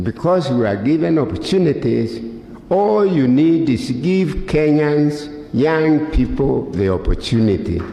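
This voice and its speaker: Delivered at a fairly slow pace with lively intonation and very even loudness, the speech comes with audible room echo and noticeable background noise. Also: man, fairly high pitch for a man. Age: 70s. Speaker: politician. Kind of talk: political rally speech.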